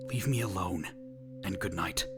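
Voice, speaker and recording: A man voicing an irritable, brooding hedgehog loner, curt and cold, in an animated drama. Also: low voice, normal speed, over loud music, lightly acted. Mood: irritated, dismissive. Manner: curt, grumbling, heavy sighs.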